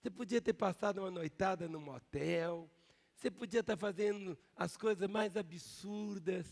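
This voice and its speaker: As pastor of a large church, an older man preaches emphatically and drives the congregation to repeat words back to him in call-and-response. His voice sits high and is gravelly with a darkish tone at normal speed, echoing with long church hall reverb.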